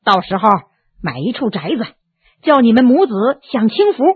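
A woman voicing an idle, doting official man in a storybook reading, his voice dropped low and drawling. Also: sing-song, normal speed, husky, exaggerated voice. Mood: coaxing. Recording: tinny narrow phone-like sound, dry.

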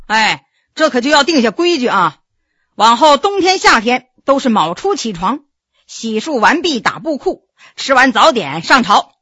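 A woman's voice: fairly high pitch, big pitch swings, moderate pace, sharp tone, breathy edge, dry recording, studio quality, full character voice. A woman voicing a playful, ambitious male Qing minister in a storybook reading. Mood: teasing, self-assured. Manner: jovial, teasing, self-assured.

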